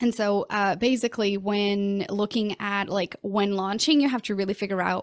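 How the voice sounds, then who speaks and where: On a very clean recording with a silent background, a woman speaks with a Portuguese accent. Her medium pitch carries fairly even intonation at a moderate pace. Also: hardly any pauses, dry, close sound with no echo. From Portugal. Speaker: podcast consultant. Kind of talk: casual interview.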